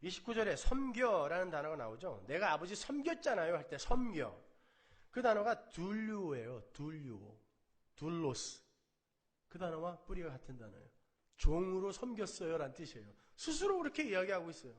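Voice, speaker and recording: A man preaching a sermon as a pastor, animated, acting out quoted lines in a raised voice and dropping low and soft for emphasis. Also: moderate pace.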